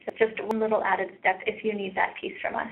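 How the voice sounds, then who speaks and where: A soft-spoken woman presenting a webinar from a meeting room, with frequent ums and uhs. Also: medium pitch, flat delivery, brisk. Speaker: research practice lead presenting. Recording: tinny phone-like webinar audio.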